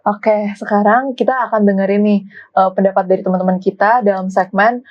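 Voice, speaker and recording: A woman's voice: mid-range voice, steady tone, a little fast, muffled recording. Upbeat woman hosting a church show. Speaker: program host. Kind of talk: hosting a youth church program.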